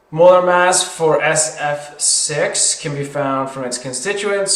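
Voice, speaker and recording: Slow-paced man tutoring, roomy echo. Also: mid-range voice. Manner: informal, self-correcting, thinking aloud. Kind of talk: worked chemistry problem lesson, explained step by step. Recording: roomy, echoey sound.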